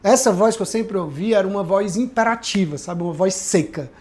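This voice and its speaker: This man, a pastor, tells his life testimony in a podcast conversation, earnest and reflective, leaning on tag questions to check in. He talks a little fast in a high-pitched, slightly mellow voice.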